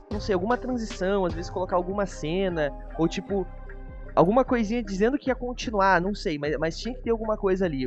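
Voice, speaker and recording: A man's voice: sits high, lo-fi sound. A Brazilian man hosting a casual review chat, talking in an informal, chatty way. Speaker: host. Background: faint background music.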